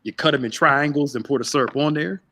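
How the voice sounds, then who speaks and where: A man's voice: fairly high pitch, fast, sharp tone. A man in his thirties, a pastor hosting a casual live group chat in a playful, teasing way. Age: 30s. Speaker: host, pastor.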